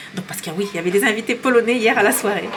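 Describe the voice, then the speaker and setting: A woman speaks at a fairly high pitch and a fairly quick pace. Her intonation stays fairly even over noticeable background noise. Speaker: lifestyle vlogger. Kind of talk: casual vlog narration. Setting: at home. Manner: whispering.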